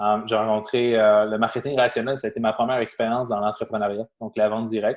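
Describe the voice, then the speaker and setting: Very fast, monotone speech with flat intonation, a slight Quebec accent, hardly any pauses, and a quiet background. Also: man, medium pitch for a man. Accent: slight Québécois French. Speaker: entrepreneur, business coach. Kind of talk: podcast interview. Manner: casual, hesitant with fillers.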